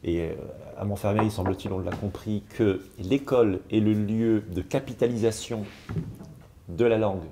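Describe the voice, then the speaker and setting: A man of Algerian descent, speaking in a panel discussion in a measured way, with frequent hesitations and repeated words. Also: on the low side, fairly even intonation, background noise. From France, of Algerian descent. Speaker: panel guest.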